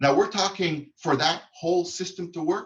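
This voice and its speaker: At a moderate pace, a man speaks in a high voice. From Israel. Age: 40s. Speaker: aviation company executive. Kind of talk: podcast interview.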